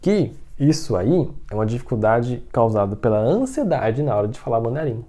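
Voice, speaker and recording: A man teaching Mandarin in an online lesson, saying sentences slowly for drills and explaining them in chatty full of "né?" and "tá?". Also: mid-range voice, sing-song, warm tone. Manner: slow drilled Mandarin, chatty Portuguese asides with "né?" and "tá?".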